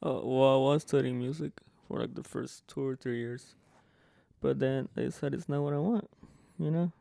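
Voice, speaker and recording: A young man from Durango, Mexico, a native Spanish speaker with a Mexican Spanish accent, co-hosting a podcast in a relaxed, hesitant way. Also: medium pitch, moderate pace, creaky, no room sound, studio quality. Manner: relaxed, hesitant, many "you know"s. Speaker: podcast co-host. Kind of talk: casual podcast chat.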